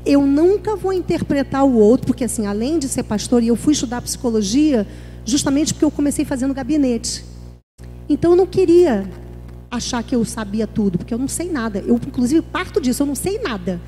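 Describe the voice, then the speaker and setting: High-voiced woman pastor from Rio. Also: expressive, a little fast, dark tone, faint music behind. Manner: conversational, acts out little everyday dialogues. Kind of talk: church workshop talk. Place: church hall. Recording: long reverb of a church hall.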